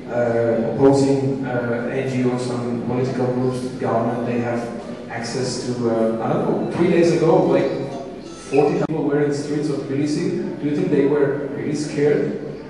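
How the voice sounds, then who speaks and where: A man's voice: medium pitch, fairly even intonation, normal speed, crowd noise. A man answering on a discussion panel, hesitant and full of restarts. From Georgia. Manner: hesitant, many restarts and fillers. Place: large conference hall. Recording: echoey hall, distant mic, audience.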